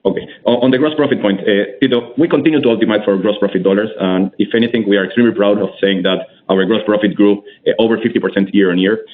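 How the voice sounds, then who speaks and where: A man's voice: on the low side, steady tone, quick pace, hardly any pauses. A man speaking as a company executive answering questions on an earnings call, assured, emphatic and businesslike. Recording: narrow, tinny phone line.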